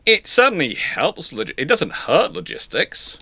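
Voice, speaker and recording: A man's voice: on the high side, wildly swooping pitch, measured pace, creaky, sharp tone, no room sound. A man hosting an informal live history Q&A, hesitant and repeating words as he thinks, with dry, wry humour. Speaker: host answering audience questions.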